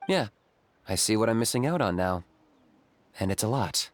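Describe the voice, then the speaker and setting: A man playing a calm, practical young tribal hunter in a video game, with a dry, matter-of-fact delivery. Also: on the low side, normal speed, natural voice. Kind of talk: video game character acting. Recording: game music behind the voice.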